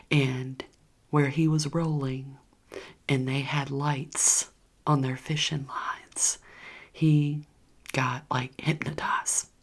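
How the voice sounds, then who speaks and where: A woman whispers the whole story in a very low, gravelly, husky hush. She talks slowly and frankly, addressing her viewers directly as if confiding in friends. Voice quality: whispering throughout.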